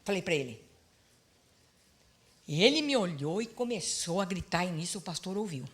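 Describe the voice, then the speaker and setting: A middle-aged woman pastor giving a sermon at a church seminar, telling stories and swinging between hushed and emphatic preaching. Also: on the low side, moderate pace. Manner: lively storytelling, acts out quoted dialogue.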